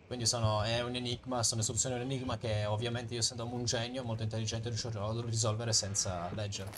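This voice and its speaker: A man's voice: medium pitch, little pitch movement, quick pace, a bit bright, a little hiss or hum. A man with an Italian accent, jokingly playing a horror game and reading its texts aloud in a dramatic voice. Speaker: let's play gamer.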